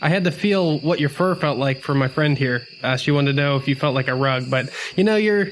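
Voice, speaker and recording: A man playing a nervous, placating adventurer in a tabletop game, halting and stammering, with faint night ambience behind. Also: mid-range voice, a little hiss or hum, natural voice, poor audio. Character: nervous, placating male adventurer calming a beast.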